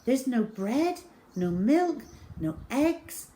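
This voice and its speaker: A woman reading a children's book aloud as an expressive storyteller, with measured, dramatic phrasing. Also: sits high. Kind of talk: expressive storytelling, scripted narration. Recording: clear background noise.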